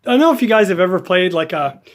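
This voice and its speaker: Guy with a high voice chatting loosely about his project, lots of ums. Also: lively intonation, fast. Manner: rambling, easygoing, lots of fillers. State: hiccups. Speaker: guitar hobbyist vlogger. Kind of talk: casual workshop vlog.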